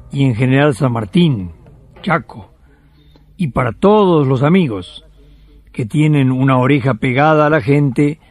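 A man with an Argentine accent hosting and narrating radio theatre in a poetic, deliberate way. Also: mid-range voice. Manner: poetic, deliberate, repeating phrases. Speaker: host and narrator.

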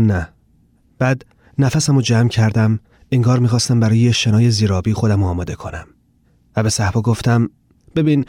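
A man's voice: mid-range voice, darkish tone, dry recording, clean studio sound. A man narrating a first-person story in an earnest, reflective way, reading the dialogue of the characters too.

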